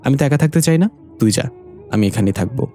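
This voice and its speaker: A mischievous young prankster with a smug, cheeky comeback for everything, voiced by a male storyteller. His voice is mellow, and it sits slightly higher than the narration. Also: expressive, fast talker, soft background music, lightly acted.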